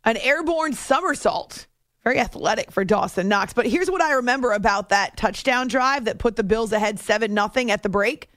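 A woman hosting a sports radio show in a chatty, animated monologue from a studio. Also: on the high side, normal speed, dry recording. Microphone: close studio microphone.

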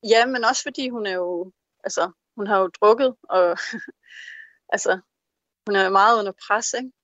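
A woman's voice: medium pitch, fairly bright tone, dry recording, muffled recording. A woman author in an interview who answers hesitantly with many fillers and reads aloud from her novel. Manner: hesitant with many fillers when speaking freely.

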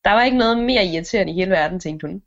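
A young woman telling an improvised story to a friend, acting out the characters' lines as she goes. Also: medium pitch. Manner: animated, acts out the characters' lines. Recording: dull lo-fi recording.

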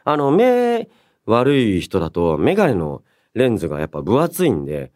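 A man's voice: lowish voice, wildly swooping pitch, normal speed, darkish tone, no echo, clean studio sound. A young man hosting a radio show, talking casually and politely as he muses aloud and handles listener mail. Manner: chatty, musing aloud, polite but informal. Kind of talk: casual solo radio talk, reading and answering listener mail.

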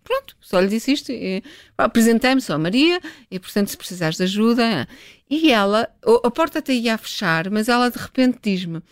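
A woman's voice: a little high, fairly quick, no room sound, studio quality. Chatty middle-aged woman. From northern Portugal. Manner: lively, chatty, with frequent restarts and laughs. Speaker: scientist guest. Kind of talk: relaxed storytelling in a radio interview.

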